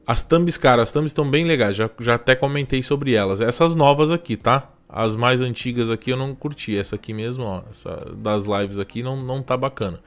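A man in his thirties with a Brazilian Portuguese accent, giving relaxed, chatty channel advice on a live stream and tossing in quick tag questions. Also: mid-range voice. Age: 30s. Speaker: YouTube growth coach hosting a live stream.

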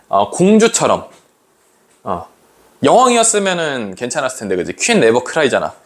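Man, literature teacher, lively swooping voice, a bit high, acts out quoted lines. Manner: animated, asks students questions, acts out quoted lines. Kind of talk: lively classroom lecture.

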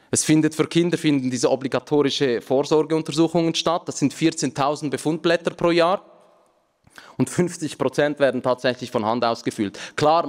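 Man lecturing in a reverberant hall. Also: medium pitch. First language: Aramaic. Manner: relaxed, joking asides, frequent filler sounds. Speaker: conference speaker. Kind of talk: conference talk with slides. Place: large conference hall, at a lectern.

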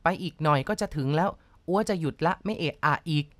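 A woman voicing a brutal, violent middle-aged man who snarls threats in a slow, heavy way. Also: low-pitched, no echo, natural voice. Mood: defensive.

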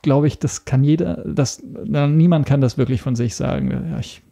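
Gravelly, hesitant man. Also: a little high, normal speed, mellow. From Italy. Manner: hesitant, searching for words. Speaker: podcast guest. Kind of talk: casual interview talk.

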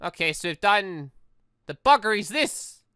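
Bright, animated gaming host. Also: medium pitch, measured pace, clean tone, no echo, studio quality. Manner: exclamatory, playful asides. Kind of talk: let's-play commentary, reading visual novel dialogue aloud.

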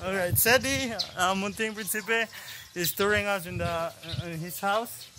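A young Filipino man hosting a casual house-tour vlog outdoors, talking into a handheld camera and laughing loudly and often. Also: high-pitched, moderate pace, a crowd in the background. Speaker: vlogger. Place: outdoors on a hillside estate. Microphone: handheld camera at arm's length.

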